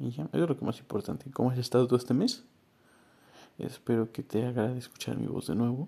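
Talking at a very fast pace, a man with a medium-pitched, dark, mellow tone shows vocal fry and ordinary pitch variation. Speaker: podcast host. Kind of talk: casual monologue. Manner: pitch rises when excited.

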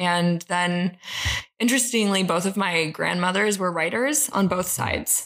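On a very clean recording with a silent background, a woman with an American accent speaks fairly slowly in a fairly low pitch, with a bright, sharp tone and ordinary pitch variation. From Seattle, US Pacific Northwest. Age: 30s. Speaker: cartoonist. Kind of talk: casual interview.

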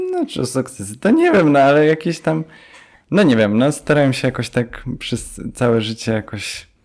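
Speaking at a moderate pace, a man uses a plain, everyday voice that is fairly high, with ordinary pitch variation. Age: 20s. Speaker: university student and musician. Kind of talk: casual chat.

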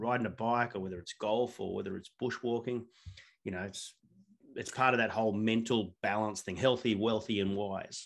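Talking at a fairly quick pace, a man has an Australian accent. His pitch is medium with ordinary pitch variation. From New South Wales, Australia. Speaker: business leader and surfer. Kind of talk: casual interview.

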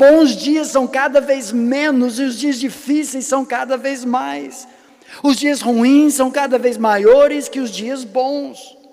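Over noticeable background noise, a man speaks very slowly at an extremely high pitch with fairly even intonation. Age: 60s. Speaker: pastor. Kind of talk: sermon.

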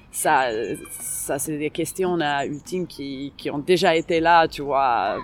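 With music in the background, a speaker with a Finnish accent talks at a very slow pace using fairly even intonation. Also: woman, very deep, low pitch for a woman. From Finland, Helsinki. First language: Finnish (speaking French). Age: 30s. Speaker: DJ and dancer. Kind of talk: interview. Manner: halting, repeats words.

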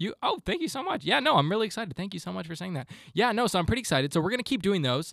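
This man is heard on a very clean recording against a silent background. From Montreal, Quebec. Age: 20s. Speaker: podcast host. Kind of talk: casual solo podcast monologue. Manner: frequent fillers and false starts.

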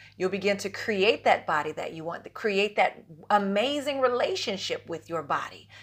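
This is a woman speaking at a medium pitch. She keeps a moderate pace. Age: 40s. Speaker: podcast host and self-help coach. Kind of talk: motivational self-help talk. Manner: animated.

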